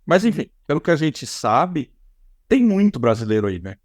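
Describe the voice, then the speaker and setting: A man's voice: on the high side, big pitch swings, moderate pace, no room sound, clean studio sound. A man with a Brazilian accent hosting a casual podcast interview, talking in loose, rambling sentences full of restarts and fillers. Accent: Brazilian Portuguese. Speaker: podcast host.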